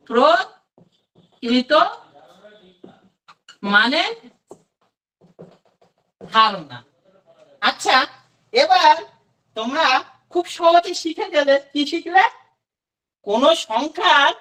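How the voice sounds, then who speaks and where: A woman's voice: high voice, fairly bright tone, recorded from a distance, rough recording. A woman teaching a demo class to imagined children, asking questions and then answering them herself.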